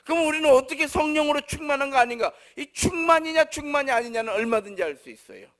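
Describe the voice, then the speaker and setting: A man preaching a sermon as pastor, moving between raised declarations and soft, low asides. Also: animated, fast.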